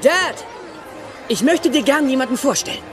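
High, eager young robot hero. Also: male voice, animated, normal speed, music in the background, a crowd in the background.

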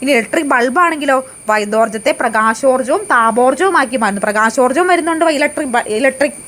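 Woman, fairly high voice, exam prep teacher, repeats key points, hesitant restarts. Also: fast talker, a bit bright. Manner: asks questions then answers them, repeats key facts.

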